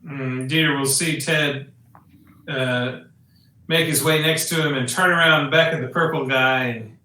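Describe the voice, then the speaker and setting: A man playing a tabletop game, speaking slowly and hesitantly with many fillers. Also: mid-range voice, fairly even intonation, pushed and bright. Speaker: player. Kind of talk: casual tabletop play. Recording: echoey room, distant from mic.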